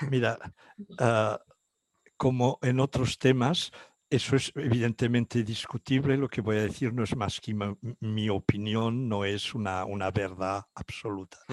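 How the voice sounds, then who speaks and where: A man with a Catalan accent speaks at a fairly slow pace and a medium pitch. The sound is dry and close, with no echo. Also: ordinary pitch variation. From Catalonia, Barcelona. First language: Catalan (speaking Spanish). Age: 70s. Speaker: psychologist. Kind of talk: interview. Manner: halting.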